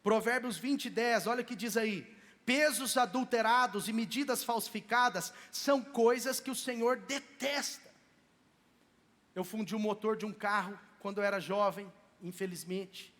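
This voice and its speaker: A man's voice: sits high, a bit bright. A man with a Brazilian Portuguese accent, from Minas Gerais, preaching a sermon as pastor in a church, telling stories in a conversational way. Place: church sanctuary. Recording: long reverb of a church hall.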